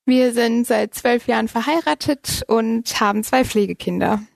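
A woman in her early thirties speaks as an interview guest, telling a personal story with frequent laughter. Her voice sits fairly high. The recording is dry and close. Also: normal speed, vocal fry, no room sound.

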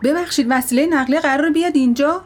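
A man's voice: extremely high pitch, slightly rough, pitched above the performer's own voice. A man voicing an anxious, suspicious woman tourist who keeps asking worried questions. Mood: uneasy.

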